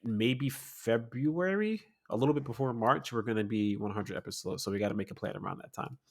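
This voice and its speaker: A young man co-hosting a podcast in casual chat, relaxed, laughing often and repeating his words. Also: mid-range voice, brisk. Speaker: podcast co-host.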